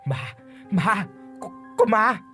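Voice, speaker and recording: A man's voice: fairly high pitch, very animated, quick pace, faint music behind. A man voicing a greedy, cowardly village shaman who stammers and blusters. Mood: frightened.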